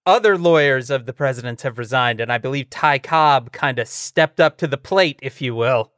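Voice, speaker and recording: A man co-hosting a casual comedy chat with wry, deadpan musings. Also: medium pitch, moderate pace, smooth, dry recording, clean studio sound. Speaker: podcast co-host.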